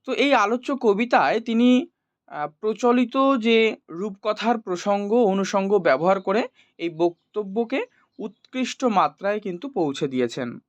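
A man's voice: high-pitched, animated, measured pace. A man teaching in an explanatory, didactic way, as if to school students, checking that they follow. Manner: didactic, checks understanding with short questions. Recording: roomy echo, dull lo-fi sound.

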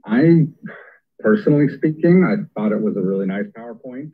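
A man's voice: mid-range voice, animated, a little fast. A man chairing a council meeting, talking things through conversationally with fillers, heard over thin phone-like meeting audio. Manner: conversational, thinks aloud with fillers. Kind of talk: meeting discussion.

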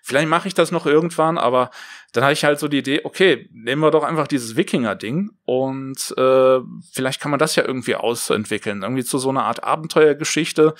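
Guy rambling casually in an interview, medium pitch, really dry sound. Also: fairly quick, no echo. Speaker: audio drama creator, writer and director.

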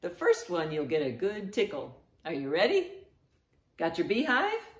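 Expressive woman reading storytime, lowish voice. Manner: expressive, deliberate, child-directed. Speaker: library storytime host. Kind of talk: animated children's storybook reading. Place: living room, indoors by a fireplace. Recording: roomy living-room echo.

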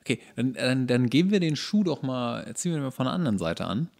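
A man speaks in a creaky voice of medium pitch. His podcast banter is casual and comic, with a hesitant, stammering way of starting and restarting phrases. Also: sing-song, fast, a little mellow. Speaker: podcast co-host.

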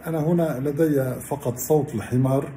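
A man's voice: medium pitch, steady tone, a little fast, warm tone, roomy sound, slight background noise. Earnest man giving a religious lesson. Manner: earnest, addresses listeners as beloved ones. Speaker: Islamic science lecturer. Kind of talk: religious explanatory talk.

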